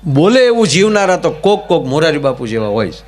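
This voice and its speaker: A man's voice: fairly high pitch, very animated, brisk. A man, a folk comedian telling jokes on stage in a dry, rustic village way. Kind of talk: stage joke storytelling.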